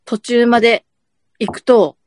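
A speaker, telling tall tales deadpan in a casual podcast chat. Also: mid-range voice, takes it slowly, dry recording, studio quality.

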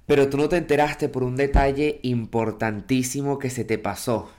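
A man with a Venezuelan accent co-hosting a podcast, telling stories in an expressive, casual way and swearing freely. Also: medium pitch, normal speed. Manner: expressive storyteller, swears casually, dramatic mock-pleading. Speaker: podcast co-host. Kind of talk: casual chat.

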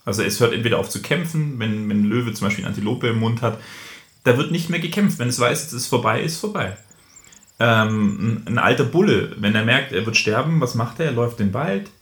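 A man's voice: mid-range voice, lively intonation, a little fast, a bit bright, roomy sound. A man co-hosting a podcast, talking reflectively with many fillers and then reading a short story aloud. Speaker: podcast co-host. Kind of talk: casual conversation and story reading.

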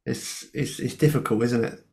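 Hoarse man in casual football chat. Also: medium pitch, steady tone, normal speed, a little mellow. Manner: chatty, laughs often, swears. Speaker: podcast co-host.

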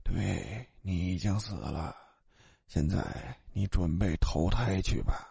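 A man voicing a ghost dressed in white who calmly leads a dead taxi driver to the afterlife, speaking low, slow and hushed. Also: vocal fry, breathy edge, dry recording, exaggerated voice. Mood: grave.

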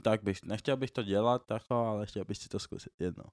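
A man chats with friends in a teasing, slangy way and drops in English words. His voice is low. The sound is dry and close. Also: a little mellow, no room sound. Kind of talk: casual chat among friends.

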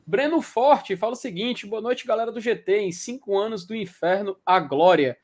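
A man's voice: sits high, normal speed. A man hosting a live show in casual, slangy chat, reading viewer comments aloud. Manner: excitable, slangy, full of fillers.

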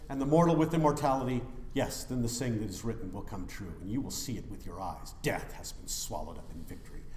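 A male pastor delivers an animated sermon in a church sanctuary, and every phrase rings with a roomy, cathedral-like echo. His pitch rises and falls widely as he moves from ringing declarations to hushed asides. His voice sits in an ordinary middle range for a man. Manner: animated, emphatic preaching with sudden drops to quiet.

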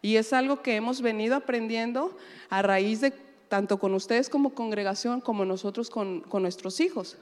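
A woman's voice: on the high side, normal speed, big-room sound. A woman pastor giving a conversational sermon to her congregation, full of rhetorical questions. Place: church.

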